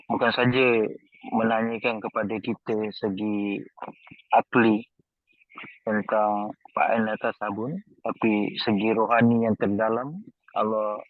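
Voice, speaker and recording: A man's voice: fairly low pitch, dry recording. A man with a Malaysian Malay accent, a participant addressing his teacher with a flowery, reflective question that is full of Arabic terms and hesitant "eh" fillers. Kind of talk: reflective question in a study session. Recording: tinny phone-line sound, very dry.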